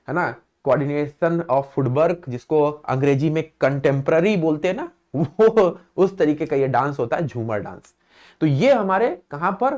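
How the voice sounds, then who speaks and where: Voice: mid-range voice, a little mellow. A teacher giving an exam-prep lecture, explaining step by step, checking in with listeners and naming items one at a time. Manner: explains step by step, often adds the tag "है ना"; lists place names one by one in a slow, stressed way.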